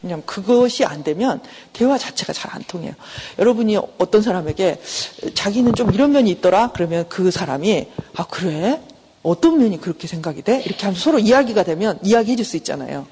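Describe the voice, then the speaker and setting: A woman's voice: medium pitch, expressive, warm tone, slight background noise. A middle-aged woman, a professor, giving a conversational university lecture on counseling. She asks the class questions, answers them herself and acts out short everyday exchanges. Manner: acts out quick everyday exchanges in shifting voices. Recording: lecture hall with long reverb.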